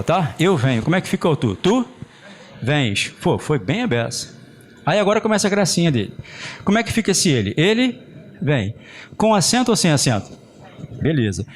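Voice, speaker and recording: Brazilian guy teaching grammar, kinda high voice, jumps up and down a lot, jokey. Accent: Brazilian Portuguese. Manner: chatty, joking, animated. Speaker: Portuguese teacher for exam prep. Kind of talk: lively classroom lecture.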